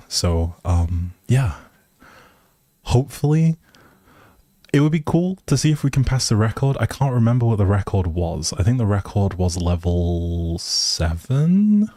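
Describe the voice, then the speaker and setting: A man's voice: deep voice, warm tone, no echo, clean studio sound. A man hosting a casual livestream, chatting to viewers in a hesitant, rambling, appreciative way. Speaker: live streamer, host.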